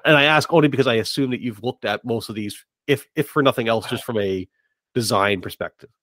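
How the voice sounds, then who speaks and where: A man hosting a podcast in casual interview chat, asking meandering, halting questions. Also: mid-range voice, fairly bright tone, no room sound. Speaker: podcast host.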